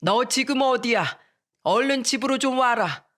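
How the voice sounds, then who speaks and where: A storyteller voicing a middle-aged working man, a father who raises his voice in loud indignation. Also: sits high, expressive, a little slow. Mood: angry. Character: hardworking older father, plumber, hurt and angry. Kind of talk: storybook narration.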